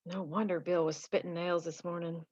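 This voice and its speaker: A woman's voice: on the low side, little pitch movement, moderate pace, darkish tone, dry recording, muffled recording, close to an everyday voice. A woman playing a folksy, chatty married townswoman from a mining town in a screenplay table read. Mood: worried.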